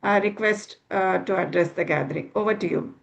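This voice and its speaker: A woman's voice: medium pitch, fairly quick, gravelly. A woman who hosts the session and introduces the speaker in a polite, formal, deferential way. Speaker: host.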